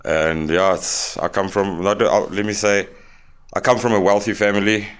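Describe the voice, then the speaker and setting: Man, South African accent, deep, smooth, halting, candid podcast guest. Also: little pitch movement. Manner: plain-spoken, halting with fillers. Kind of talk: candid interview storytelling.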